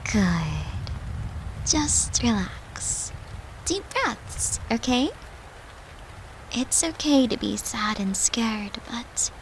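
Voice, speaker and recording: A woman playing a devoted, tender girlfriend who soothes her lover in a soft, affectionate, intimate roleplay. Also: fairly high pitch, slight background noise, exaggerated voice, low-quality recording. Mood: tender, soothing. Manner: soft, soothing, affectionate, unhurried, at times whispering. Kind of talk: intimate roleplay audio, comforting.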